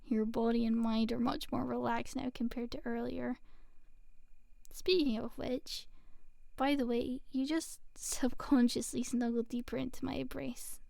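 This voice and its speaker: A woman playing a gentle, teasing sleep paralysis demon in an ASMR roleplay, soothing and intimate, talking softly and unhurriedly, now and then slipping into a whisper. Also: fairly high pitch, little pitch movement, a little slow, creaky, no echo, studio quality. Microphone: close microphone.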